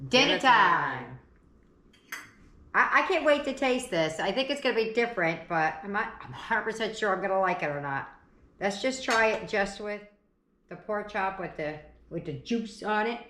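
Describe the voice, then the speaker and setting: A woman's voice: medium pitch, lively intonation, normal speed, long pauses, fairly bright tone. A woman hosting a home cooking video, chatting casually in her kitchen and at the family table, sometimes talking with her mouth full. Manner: chatty and homey, talks while eating.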